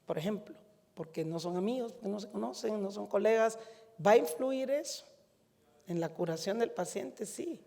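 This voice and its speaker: A woman's voice: medium pitch, expressive, moderate pace, creaky, warm tone, in a large hall. A middle-aged woman with a Guatemalan Spanish accent, a physician giving a conference talk to medical students in a conversational storytelling manner, often using rhetorical questions.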